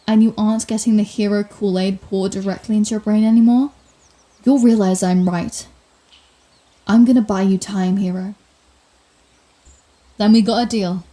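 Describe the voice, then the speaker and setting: A woman playing a proud, sardonic telepathic villain with a secret soft side, in a theatrical, wry manner for an intimate ASMR roleplay. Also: mid-range voice, natural voice. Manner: theatrical, wry, flustered denials, grand pronouncements.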